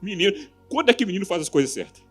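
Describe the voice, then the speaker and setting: A Brazilian pastor preaching to his congregation in a fairly high voice, swinging between fervent, raised exhortation and quiet earnest stretches. Soft music plays faintly behind him in the church. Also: big pitch swings, very fast. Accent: Brazilian Portuguese. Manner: impassioned preaching, swinging from loud exhortation to hushed. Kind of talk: live sermon. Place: church service.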